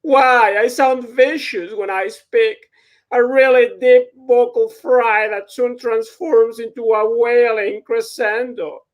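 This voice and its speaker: A man's voice: very high voice, steady tone, slow pace. A young man with a strong Mexican accent reading from his novel over a video call at home, after a casual, self-deprecating introduction. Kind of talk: reading fiction aloud. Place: home room with bookshelves. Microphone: video call webcam.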